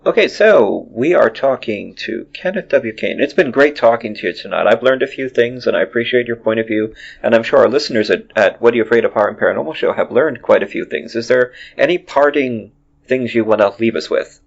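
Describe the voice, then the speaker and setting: A man's voice: mid-range voice, lively intonation, a little fast, gravelly. A man in his forties hosting a podcast, talking in a rambling way with many restarts. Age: 40s. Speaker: podcast host. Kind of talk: casual chat. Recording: dull lo-fi audio.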